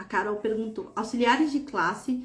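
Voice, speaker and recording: A woman speaks with a fairly high pitch. Her pace is moderate and her pitch variation ordinary. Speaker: school psychologist and educator. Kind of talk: live Q&A stream. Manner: conversational.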